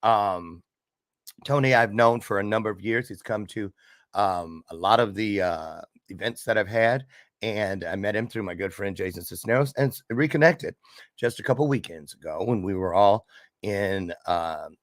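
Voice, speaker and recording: A man's voice: fairly low pitch, moderate pace, no room sound, studio quality. A man hosting a casual video chat show, asking playful, teasing questions. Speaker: show host. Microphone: video call.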